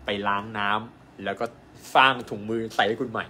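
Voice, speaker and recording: Bright-voiced male doctor, emphatic live-stream pitchman who keeps asking the audience questions, with faint room noise. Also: moderate pace. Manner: animated and emphatic, asks viewers rhetorical questions. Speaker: acupuncture doctor selling an online course.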